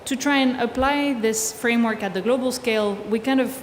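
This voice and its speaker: A woman in her thirties giving a measured, explanatory presentation at a podium in a large conference hall. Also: a little high, slight background noise. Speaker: conference panel speaker. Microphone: podium microphone from a distance. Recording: roomy hall reverb, faint ambience.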